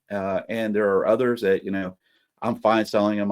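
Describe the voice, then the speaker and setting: The recording is very clean, and the background is silent. A man talks at a very fast pace. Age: 50s. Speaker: reseller, retired teacher. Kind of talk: casual chat.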